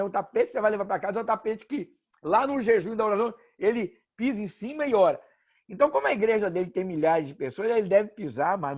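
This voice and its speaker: A Brazilian pastor, a man preaching an informal sermon with joking stories and animated asides. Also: sits high, breathy edge. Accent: Brazilian Portuguese.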